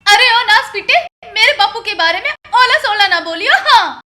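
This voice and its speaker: A woman's voice: extremely high pitch, lively intonation, a little slow, bright, forceful tone, roomy sound, exaggerated voice. An actress playing a fed-up Haryanvi village wife and stepmother who scolds and wails, in a Haryanvi accent. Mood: scolding. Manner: scolding, wailing complaints.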